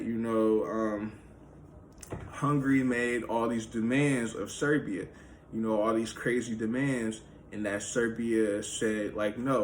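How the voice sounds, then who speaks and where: A man of middle pitch talks history off the cuff in an easy, rambling way. He leans hard on "like" and "you know" and keeps going with loose restarts. A faint hiss of noise sits under the voice. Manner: loose, filler-heavy, with many "like" and "you know". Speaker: history video host. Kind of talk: casual explainer monologue.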